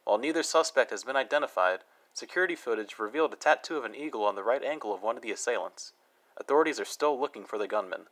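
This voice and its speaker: A radio news announcer, played by a man in a radio play, reading a bulletin in a brisk, formal news delivery. He moves through it at a fast clip. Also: mid-range voice, lively intonation, a bit bright.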